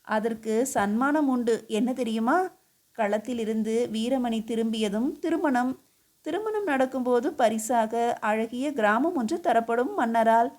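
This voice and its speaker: Woman voicing a stern young princess, commanding, scolding, higher voice, storybook reading. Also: unhurried, a little mellow, lightly acted. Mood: kind. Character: gentle yet stern young royal princess.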